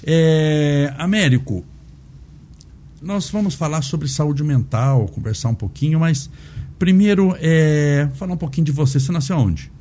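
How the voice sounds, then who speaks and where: A man's voice: fairly high pitch, expressive, measured pace, mellow. A man with a Brazilian accent hosting a podcast in a conversational interview style. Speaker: podcast host.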